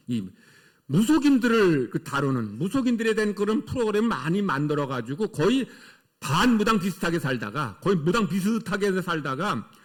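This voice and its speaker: A middle-aged man preaches from the pulpit of a church, pressing his points home with rhetorical questions. His voice sits fairly high for a man and rises and falls a great deal. He speaks with the emphatic cadence of a sermon. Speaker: pastor. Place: church sanctuary.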